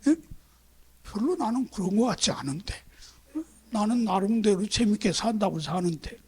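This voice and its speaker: A man's voice: sits high, lively intonation, normal speed. A man from Chungcheong preaching a sermon as pastor, talking in a conversational, storytelling way and putting rhetorical questions to his congregation. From Chungcheong, South Korea. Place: church sanctuary.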